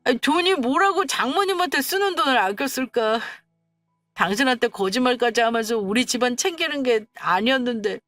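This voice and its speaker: A woman's voice: high-pitched, animated, brisk, fairly bright tone, no room sound, faint music behind, voice pushed up. A woman voicing a young husband in a storybook tale, who makes excuses and pleads. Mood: pleading. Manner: wheedling, making excuses.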